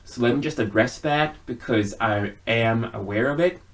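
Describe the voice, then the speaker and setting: A man giving a casual personal monologue to viewers in an earnest, halting way, with frequent pauses. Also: mid-range voice. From Sweden. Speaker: video blogger.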